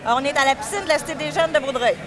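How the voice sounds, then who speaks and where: A woman's voice: sits high, racing, crowd noise. A woman in her thirties with a Québécois French accent, talking casually as an interview guest, hesitant with many fillers and restarts. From Quebec, Canada. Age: 30s. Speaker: guest, diving club vice-president and coach. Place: indoor pool area.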